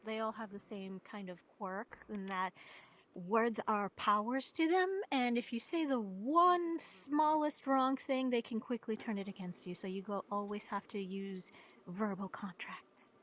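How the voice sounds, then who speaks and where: A woman playing a wary, distrustful fantasy character in improvised roleplay, with a halting way of finding her words. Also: medium pitch, a bit bright, lightly acted, low-quality recording.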